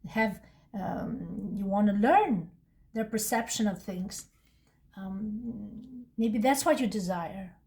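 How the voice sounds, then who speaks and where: A woman's voice: medium pitch, slow, darkish tone. A woman with a non-native English accent giving a casual, rambling tarot reading, full of restarts and asides. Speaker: tarot reader.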